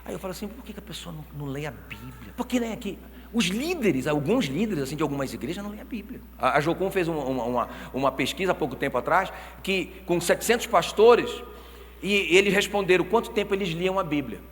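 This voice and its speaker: A Brazilian man in his thirties preaching a sermon as pastor, telling stories with swings from quiet talk to shouting. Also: on the high side, quick pace. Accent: Brazilian Portuguese. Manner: animated storytelling, swings from soft to shouting. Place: church hall. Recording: long church hall reverb.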